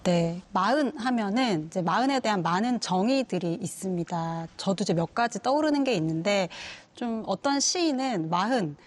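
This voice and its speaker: A woman's voice: mid-range voice, lively intonation, normal speed, hardly any pauses. A woman co-host who introduces a book in a thoughtful, explanatory way with frequent fillers.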